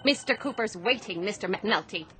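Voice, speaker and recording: A woman's voice: mid-range voice, animated, moderate pace, background noise, lightly acted. An actress playing a scornful, unimpressed office secretary in a comic radio drama, cutting and emphatic in her put-downs. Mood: curt.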